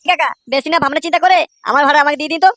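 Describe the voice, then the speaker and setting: A woman's voice: high-pitched, fairly even intonation, rapid-fire, fairly bright tone, no room sound. A woman voicing an aggrieved, foul-mouthed male rickshaw driver in a comedy cartoon, grumbling and cheeky. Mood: exasperated.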